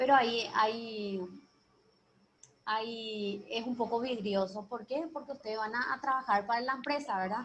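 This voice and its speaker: This is a plain, everyday voice. It keeps a moderate pace and fairly even intonation. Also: woman, fairly high pitch for a woman. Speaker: teacher. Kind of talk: lecture.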